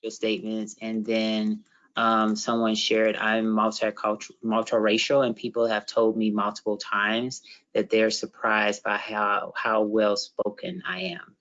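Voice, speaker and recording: A man co-facilitating an online workshop, reading out participant comments in a steady way with many fillers. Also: on the low side, measured pace, highs cut off.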